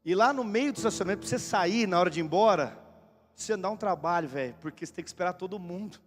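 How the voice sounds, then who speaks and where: A man's voice: sits high, animated, quick pace. A Brazilian man preaching a sermon as pastor, telling a story and acting out both sides of a conversation. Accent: Brazilian Portuguese. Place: church auditorium. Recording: long hall reverb with music behind.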